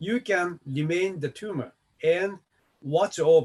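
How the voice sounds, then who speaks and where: Speaking with a Japanese accent, a man uses a high pitch and lively intonation at a fairly slow pace. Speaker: neurosurgeon. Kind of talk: lecture. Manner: halting.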